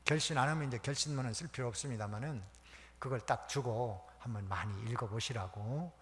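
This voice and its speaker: A man's voice: mid-range voice, a little fast, a bit bright. A pastor, a man, giving a conversational training lecture to Sunday school teachers, plain-spoken with hesitant fillers between phrases and acting out everyday small talk. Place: church hall. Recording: long hall reverb, faint hum.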